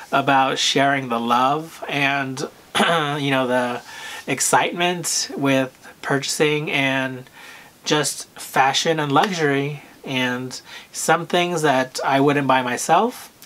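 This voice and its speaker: Slow, soothing-voiced man vlogging. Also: mid-range voice. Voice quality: soothing, soft voice. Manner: unhurried, hesitant, full of "um" and "you know", frequent throat clearing. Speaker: luxury fashion vlogger. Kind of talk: casual monologue to camera.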